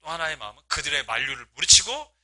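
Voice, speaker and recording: A man's voice: a little high, very animated, fast, sharp tone. A male pastor preaching a sermon, asking his congregation rhetorical questions and acting out quoted speech with feeling. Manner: voices quoted speech with rising emotional emphasis.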